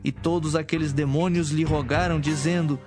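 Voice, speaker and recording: A man's voice: on the high side, steady tone, moderate pace. A man reading scripted, dramatic narration for an audio Bible. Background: music.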